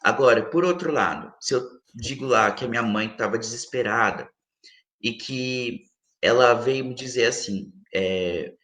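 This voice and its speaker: A man's voice: mid-range voice, measured pace, fairly bright tone. A male linguistics professor with a Brazilian Portuguese accent, patiently explaining ideas with many examples as an interview guest. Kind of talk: explanatory academic interview answer. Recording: roomy echo.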